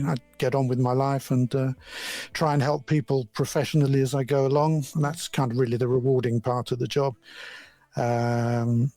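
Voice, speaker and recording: An older man, a music industry lawyer, talking in a modest, measured way with many fillers as a podcast guest. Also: medium pitch, vocal fry, dark tone, dry recording. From born in Scotland, grew up in London. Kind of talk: casual interview chat.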